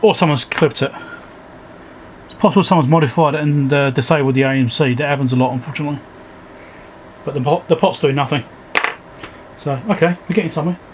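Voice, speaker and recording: A man giving casual, low-key commentary as he works, thinking aloud step by step like a repair video host. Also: fast talker, pauses often, slight background noise, poor audio. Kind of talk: casual hands-on commentary while working. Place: indoor repair workbench.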